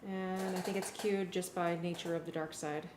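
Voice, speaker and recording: A woman's voice: on the low side, fairly even intonation, moderate pace. A woman talking casually as she works through music arrangements with a collaborator. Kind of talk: casual working discussion. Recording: echoey room, clear background noise.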